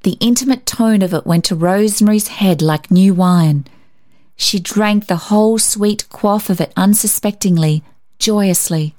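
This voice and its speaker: A woman narrating a story from a script in an expressive storybook style. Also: medium pitch, measured pace. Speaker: story reader.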